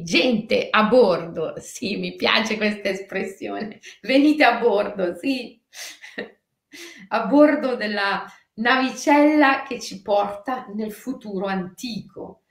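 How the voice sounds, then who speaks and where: Woman meditation teacher, unhurried, chants syllables one by one, mid pitch, echoing room. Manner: slow, drawn-out chanting of syllables; answers viewers' comments by name. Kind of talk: guided spiritual lesson with chanting. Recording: roomy echo.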